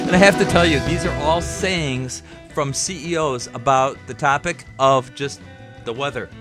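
A man speaks at a moderate pace with lively intonation. Clear music plays in the background. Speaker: podcast host. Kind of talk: podcast promo read. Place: studio.

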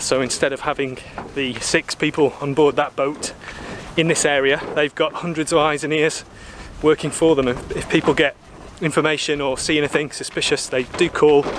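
Man with monotone, flat intonation at a moderate pace, dry sound with no echo, noticeable background noise. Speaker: sailing vlogger. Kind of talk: casual vlog chat. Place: waterside. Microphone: phone near.

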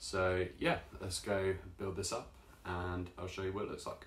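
A man's very deep, low voice at a moderate pace with audible room echo. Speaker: toy reviewer. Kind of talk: casual vlog chat. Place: home room.

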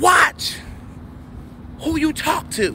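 Shouting man at a very slow pace, dry with no echo, over light background noise. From US. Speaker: livestreamer giving a testimony. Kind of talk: testimony. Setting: outdoors. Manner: loud, animated. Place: street. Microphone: phone near.

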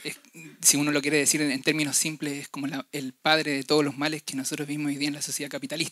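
Against a quiet background, a man talks at a very fast pace in a fairly high pitch, his tone bright and sharp, his intonation monotone and flat, and the sound dry with no echo. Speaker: audience member. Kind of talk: audience question in Spanish. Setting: conference room, microphone. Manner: halting. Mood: hesitant, thoughtful. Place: hall. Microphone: handheld.

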